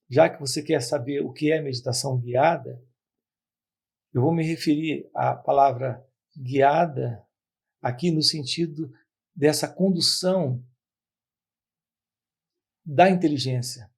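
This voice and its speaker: Gravelly-voiced spiritual teacher. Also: male voice, a little high. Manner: measured, repetitive phrasing with pauses. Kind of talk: spiritual talk to camera.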